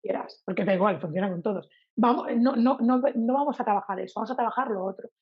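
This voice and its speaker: A woman's voice: mid-range voice, fast, slightly rough, dull audio. A woman from Spain, a Spanish teacher being interviewed, who talks animatedly and acts out her examples with a sing-song voice. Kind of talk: casual interview talk.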